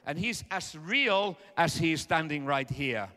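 High, bright Finnish-accented man preaching. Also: lively intonation. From Finland. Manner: earnest, halting with frequent fillers. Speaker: preacher and interpreter. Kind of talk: sermon. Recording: echoey hall.

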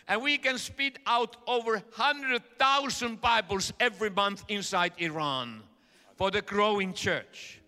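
A middle-aged man with a Finnish accent preaches in English, his voice high and bright. He is earnest and halting, with plenty of "uh"s. His voice rings out in an echoey hall. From Finland. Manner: earnest, halting with frequent fillers. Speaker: preacher and interpreter. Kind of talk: sermon.

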